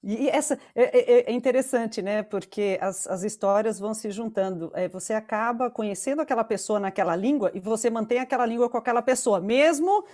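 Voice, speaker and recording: Woman panel moderator from Brazil, slightly high voice, chatty and musing. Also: a little fast, few pauses, darkish tone. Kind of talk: casual panel chat.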